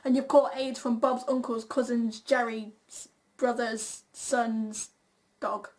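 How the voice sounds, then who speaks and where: Young woman co-host, high voice, super casual chat, blunt about stuff. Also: steady tone, takes it slowly, darkish tone. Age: young adult. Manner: blunt, informal. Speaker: co-host of a question-and-answer video.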